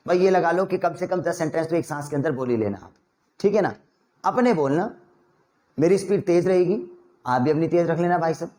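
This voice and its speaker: A man with an Indian accent teaching a spoken English lesson, mixing Hindi with English and coaxing learners through rapid drills. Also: fairly high pitch. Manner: energetic, coaxing drill instructor.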